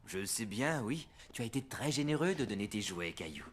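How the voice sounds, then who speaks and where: Gentle cartoon father: expressive range, patient storyteller, encouraging delivery over music. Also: fairly low pitch, moderate pace. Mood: tender storytelling. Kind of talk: children's cartoon dub.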